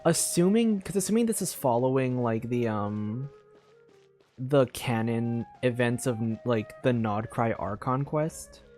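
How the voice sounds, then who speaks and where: A woman's voice: a bass voice, lively intonation, a little slow, mellow, faint music behind. A woman giving casual gameplay commentary as a streamer, rambling and thinking aloud. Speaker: game streamer.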